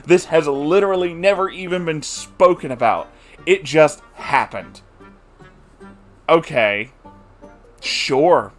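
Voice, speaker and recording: Exasperated man slowly recapping a book. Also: a little high, soft background music. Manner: exasperated, incredulous, laughing asides. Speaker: book reviewer.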